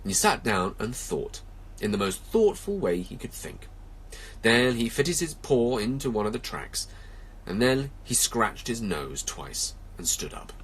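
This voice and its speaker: A man reading a children's story aloud with expressive, theatrical narration and drawn-out emphasis. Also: mid-range voice, husky, poor audio. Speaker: storybook reader.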